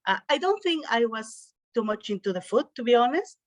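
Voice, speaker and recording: A woman's voice: a little high, sing-song, a little fast, no echo. Mexican-accented woman, dry close sound. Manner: chatty, frequent um and uh fillers. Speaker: guest. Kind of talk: casual interview storytelling.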